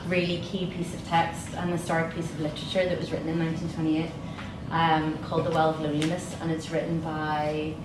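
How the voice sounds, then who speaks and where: Low-voiced woman in an echoey space. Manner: relaxed, conversational, hesitant. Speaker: exhibition tour host. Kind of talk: informal public talk. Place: indoor gallery space. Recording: echoey room, distant mic, noisy.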